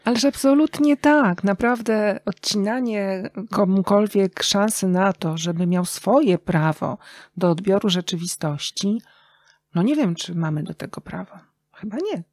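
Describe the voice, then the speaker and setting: A woman's voice: medium pitch, measured pace, darkish tone, no echo. A middle-aged woman speaking as an interview guest, telling anecdotes in a conversational way. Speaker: interview guest, radio journalist and writer.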